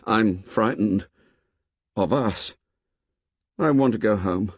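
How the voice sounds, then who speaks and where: A man voicing a shaken boy leader who speaks low and haltingly. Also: husky, no echo, dull audio. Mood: stricken.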